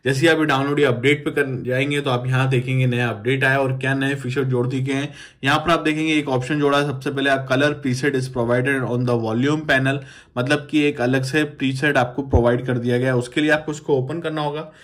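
A man's voice: mid-range voice, flat delivery, brisk, fairly bright tone. A man, presenting a casual phone tutorial in a repetitive, instructional way, addressing viewers as friends. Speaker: tech YouTuber.

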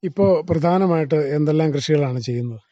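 A man who hosts a radio farm interview, asking brisk, formal questions. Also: a little high, dark tone, dry recording. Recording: dull lo-fi radio recording.

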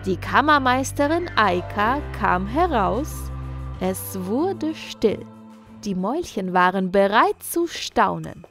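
A woman's voice: medium pitch, big pitch swings, slow pace, fairly bright tone, soft background music. A woman narrating a scripted children's story as its storyteller.

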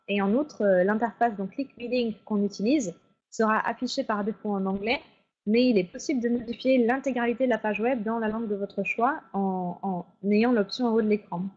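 A woman's voice: on the high side, darkish tone. A woman facilitating an online webinar, going through the rules in an orderly way with frequent fillers. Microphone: video call. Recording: lo-fi webinar audio.

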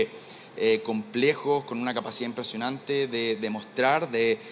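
A man's voice: medium pitch, a bit bright, a little hiss or hum. A man in his thirties with a Chilean accent, answering questions on stage in a large fair hall through a handheld mic, hesitant and full of fillers. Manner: hesitant, repeats words, many fillers. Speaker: winemaker guest. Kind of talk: live stage interview. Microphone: handheld microphone.

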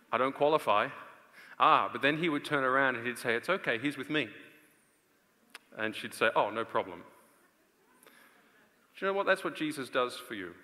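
A man in his thirties preaching a live sermon with earnest, rhetorical delivery and dramatic pauses. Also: medium pitch, expressive, bright, forceful tone. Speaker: preacher and conference speaker. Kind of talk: live sermon to a large audience. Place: stage of a large indoor auditorium. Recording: long reverb of a large auditorium.

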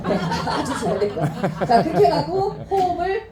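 A woman's voice: very high-pitched, a little fast, crowd noise. A woman teaching a singing class, joking with her students and singing short phrases to show them how. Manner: lively, joking, sings phrases to demonstrate. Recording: roomy hall with backing music.

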